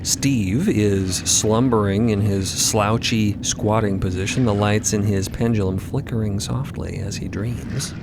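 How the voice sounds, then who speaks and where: A man with a fairly low voice tells a story for a fiction podcast. His delivery is very slow and theatrical, dropping into conversational phrasing and stretching words for drama. A loud ambient rumble sits behind him. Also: steady tone, gravelly. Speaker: podcast narrator and host.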